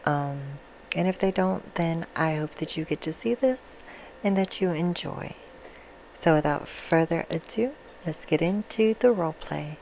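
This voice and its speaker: A woman's voice: sits low, a little slow, darkish tone, poor audio. A woman who makes ASMR videos, talking casually and directly to her viewers in an introduction. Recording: clear background noise.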